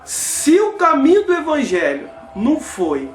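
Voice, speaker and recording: A man's voice: very high voice, wildly swooping pitch, a little slow, echoey room. A man with a Brazilian accent giving impassioned religious commentary, exclaiming and asking rhetorical questions of his listeners, whom he calls brother. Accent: Brazilian Portuguese.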